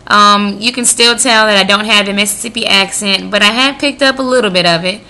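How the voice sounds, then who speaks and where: A woman's voice: mid-range voice, fairly even intonation, a little fast, pushed and bright. An American woman in her twenties from the Midwest, introducing herself informally for a radio audition in a conversational, self-promoting way. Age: 20s. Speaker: radio job applicant.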